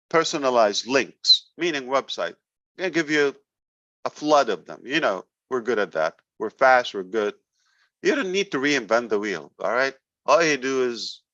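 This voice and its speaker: Man, company leader addressing members, blunt and emphatic, mid pitch, dry lo-fi sound. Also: a bit bright, no room sound. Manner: blunt, emphatic, sarcastic at times. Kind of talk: motivational business talk. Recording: dull, dry recording.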